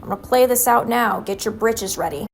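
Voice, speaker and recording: High-voiced young woman, jokey horror commentator. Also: fairly quick, creaky. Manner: jokey, theatrical, slangy. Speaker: video essay host. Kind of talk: casual horror commentary with scripted narration.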